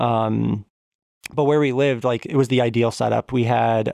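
With an American accent, a man talks in a normal speaking voice at a medium pitch and moderate pace, his intonation fairly even. The sound is dry and close with no echo, over a quiet background. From Connecticut, US East Coast. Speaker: critical care physician. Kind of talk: casual interview. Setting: studio.

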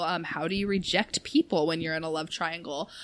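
A woman speaks in an animated tone. Her pace is moderate. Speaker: podcast host. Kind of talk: casual chat. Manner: giggly, animated.

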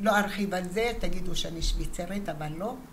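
A woman's mid-range voice comes through with audible room echo and noticeable noise behind it. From Iraq, then Israel from age 10. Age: 80s+. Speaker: community activist. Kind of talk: interview.

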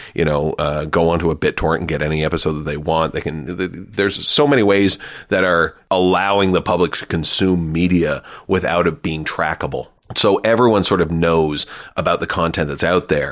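The speaker has a Canadian accent. The pace is fairly quick. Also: man. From Ontario, Canada. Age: 40s. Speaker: comedian and podcaster. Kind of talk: casual chat. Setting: studio.

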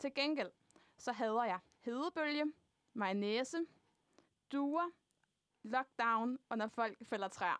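A woman with a high pitch and lively intonation talks at a very slow pace with long, frequent pauses, her loudness very even in a dry, close sound with no echo. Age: 20s. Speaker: student radio host. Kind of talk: casual chat.

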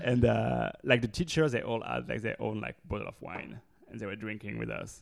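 Noticeable background noise sits behind a man whose loudness swings a lot as he talks at a moderate pace. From Italy. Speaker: musician. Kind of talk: casual chat.

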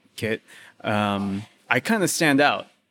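A man speaks with an American accent. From US, San Francisco Bay Area. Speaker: bag designer and brand owner. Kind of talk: casual chat. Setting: restaurant.

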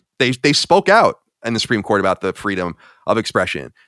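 The speech comes very fast with very wide pitch swings, in a dry, close sound with no echo. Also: man. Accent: American. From Long Island, New York. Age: 30s. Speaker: podcast host and media owner. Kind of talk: interview. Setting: remote recording.

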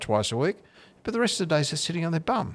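A man speaks in an Australian accent with very wide pitch swings. The recording is very clean and the background silent. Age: 50s. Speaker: cardiologist. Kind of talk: interview. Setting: studio.

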